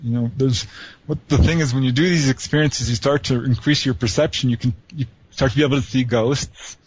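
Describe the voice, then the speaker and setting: A man appearing as an author guest on a call-in radio show, explaining ideas calmly and steadily. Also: mid-range voice, a little fast, lo-fi sound, a little hiss or hum. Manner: calm explanatory, steady flow.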